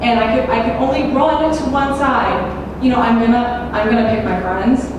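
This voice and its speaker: A woman's voice: fairly high pitch, normal speed. A young woman debating as a student, answering defensively and turning questions back on her opponent. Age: young adult. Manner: defensive, deflects with counter-questions. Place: large echoey university hall. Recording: echoey hall, distant mic, room noise.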